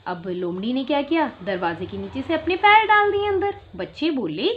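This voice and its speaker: A woman's voice: high-pitched, very animated, moderate pace, highs cut off. A woman teacher telling a story to young children in an online class, explaining simply and checking in often. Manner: explains and repeats simply, checks in with "theek hai".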